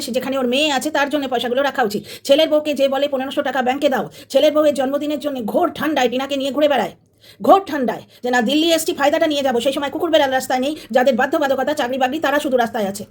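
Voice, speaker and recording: A woman's voice: high voice, steady tone, rapid-fire. A woman hosting a commentary channel, delivering a combative, sarcastic monologue that speaks straight to her viewers.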